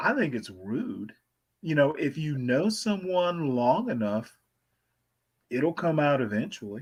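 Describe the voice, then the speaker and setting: With a slight Southern US accent, a man talks at a fairly slow pace and fairly high pitch, his pitch swinging very widely, with long, frequent pauses on a very clean recording with a silent background. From US South. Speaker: podcast co-host. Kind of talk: casual discussion.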